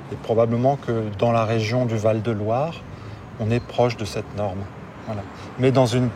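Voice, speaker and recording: A man talking unscripted as an interviewee. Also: mid-range voice. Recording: distant mic, noisy outdoor street.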